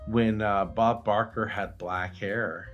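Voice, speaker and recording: A man's voice: fairly low pitch, fairly even intonation, takes it slowly, a bit bright, highs cut off, soft background music. A man co-hosting a comedy podcast, talking in a casual, conversational style. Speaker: podcast co-host.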